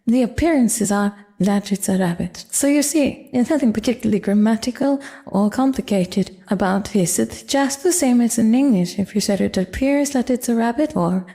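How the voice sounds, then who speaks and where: Measured older woman teaching grammar. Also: fairly high pitch, warm tone. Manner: measured, explanatory. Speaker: Japanese language teacher. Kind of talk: grammar lesson narration.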